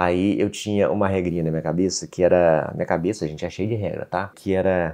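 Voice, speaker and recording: This man has a very deep, low pitch and a dark, mellow tone. He talks at a moderate pace over a quiet background. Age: 50s. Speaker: amateur runner vlogger. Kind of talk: vlog monologue.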